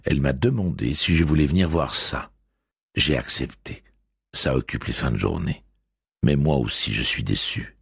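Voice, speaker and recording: A curt, sardonic blind man from an audiobook, voiced by a man. He grumbles in a very deep, gravelly register. His tone is cold and clipped. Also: normal speed, fairly bright tone, no room sound, clean studio sound, heavily acted.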